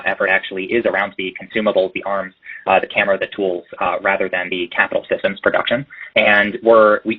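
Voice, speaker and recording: A man speaking as a company executive answering questions on an earnings call, halting and repeating words for emphasis. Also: low voice, slightly rough. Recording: muffled, band-limited conference call line.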